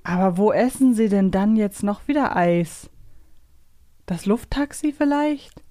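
A woman's voice: medium pitch, lively intonation, measured pace, warm tone, no room sound. Woman podcaster chatting in a dry room. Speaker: podcast host playing a quiz. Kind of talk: casual chat.

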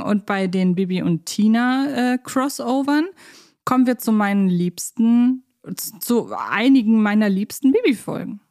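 A woman's voice: a little high, darkish tone. A woman co-hosting a podcast in casual chat, talking like an enthusiastic fan who thinks aloud. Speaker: podcast co-host. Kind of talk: casual chat about children's audio plays.

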